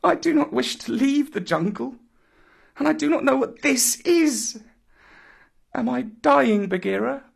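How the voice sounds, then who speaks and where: Storybook jungle boy, voiced by a man: high, swooping, defiant, declaims in archaic phrases. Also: animated, slow, fairly bright tone, full character voice. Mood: distressed, bewildered. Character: defiant young jungle boy, proud and commanding. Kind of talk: dramatic storybook reading.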